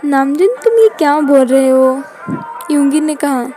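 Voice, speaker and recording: High-voiced woman reading a story. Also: expressive, a little slow. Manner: reads all the characters' lines in her own voice. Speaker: fan fiction narrator.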